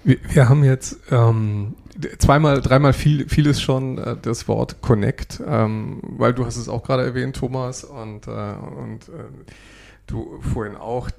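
A man's voice: medium pitch, steady tone, measured pace, creaky, darkish tone. A man co-hosting an interview, framing questions hesitantly with many fillers. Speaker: podcast co-host.

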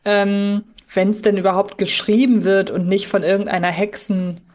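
A woman's voice: mid-range voice, flat delivery, moderate pace, darkish tone. A woman co-hosting a casual fan podcast, chatting in a wordy, emphatic way. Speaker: podcast co-host.

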